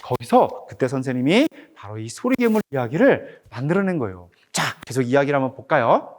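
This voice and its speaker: A middle-aged man, a picture book author, reads his book aloud to children in an animated teacher's manner and keeps asking them questions. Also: mid-range voice, a little fast.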